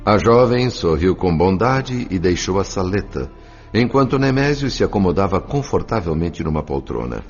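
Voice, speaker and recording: An actor playing a reflective, compassionate narrator in a radio drama audiobook, with a Brazilian accent. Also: male voice, sits low, very animated, moderate pace. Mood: solemn, reflective. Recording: slightly dull sound. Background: faint music.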